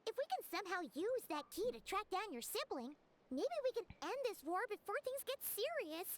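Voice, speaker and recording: A woman voicing a small, fairy-like female game companion, chatty and impatient, with expressive delivery. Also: very high voice, normal speed. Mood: earnest, encouraging. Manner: speaks of herself in third person, expressive. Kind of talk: video game voice acting. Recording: game music behind.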